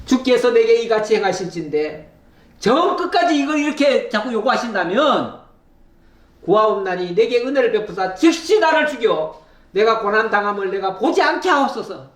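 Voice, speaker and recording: A man's voice: high-pitched, animated, normal speed, fairly bright tone, reverberant. A man voicing a weary, exasperated Moses who pleads and complains to God, in a sermon retelling. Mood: pleading.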